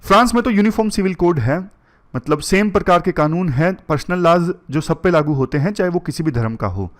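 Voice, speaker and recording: A man's voice: sits high, expressive, a little fast. A man teaching current affairs for an exam, going through points one by one and mixing in English terms. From India. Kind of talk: exam-prep lecture.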